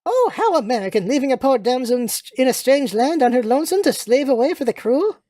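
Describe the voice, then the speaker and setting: Woman putting on a haughty posh young lady, high-pitched. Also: very animated, fast talker, dark tone, dry recording, clean studio sound. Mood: indignant, pleading. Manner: prim, imperious, old-fashioned genteel phrasing. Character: haughty young lady super heavy tank, posh and indignant.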